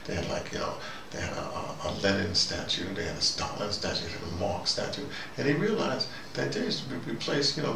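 A gravelly, lowish voice belongs to an older man whose video diary is an opinion monologue delivered to camera. His talk rambles conversationally, drifting into digressions and self-directed questions as he muses, and the recording is roomy and noisy with a distant mic.

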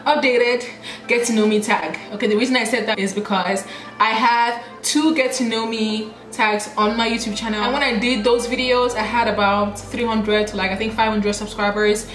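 A woman's voice: on the high side, steady tone, normal speed, a bit bright, echoey room, faint music behind, rough recording. A woman in her late twenties, from Nigeria, chatting to her viewers in a casual get-to-know-me vlog, laughing at herself as she answers questions. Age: late 20s. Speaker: YouTuber. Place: small indoor room.

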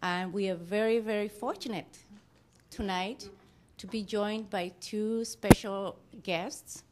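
A woman's voice: medium pitch, fairly even intonation, takes it slowly, heavy background noise. Upbeat middle-aged woman hosting a class panel. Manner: welcoming, upbeat. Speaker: class host. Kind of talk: moderating a panel. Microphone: handheld mic.

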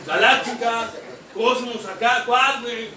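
A man's voice: very high-pitched, steady tone, slow, bright, forceful tone, far from the mic. A man with a Mexican accent giving an impassioned testimony at a recovery group meeting, profane and rhetorical, peppering every line with slang and a questioning "eh?". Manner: profane, rhetorical, keeps tagging lines with slang and "eh?". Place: meeting hall. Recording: echoey hall, recorded from afar, noisy.

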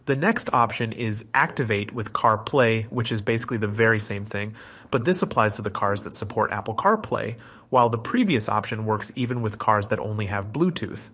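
A man's voice: on the low side, lively intonation, normal speed, a bit bright. A man presenting a tech tutorial in scripted, explanatory narration, going through it methodically step by step.

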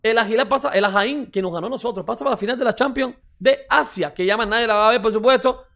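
A man's voice: very high voice, fast talker, creaky, fairly bright tone. A man giving casual mocking football reaction commentary as a streamer, repeating exclamations, swearing and ranting.

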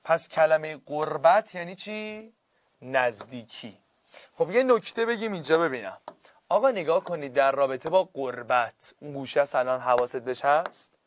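A male teacher giving a classroom grammar lesson, stretching key words out slowly for emphasis and checking often that students follow. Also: medium pitch, lively intonation, a little hiss or hum.

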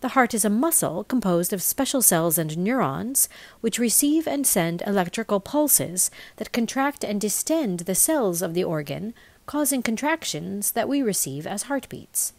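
Woman reading scripted narration, lively intonation. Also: mid-range voice, moderate pace, no echo. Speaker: voice-over reader. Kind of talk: scripted narration of a spiritual explainer, read aloud.

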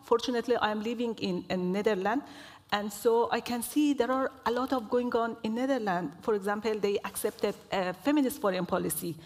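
Earnest woman from Afghanistan, halting. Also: on the high side, fairly even intonation, darkish tone. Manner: earnest, halting with many fillers. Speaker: panel speaker. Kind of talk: panel discussion. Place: large stage hall.

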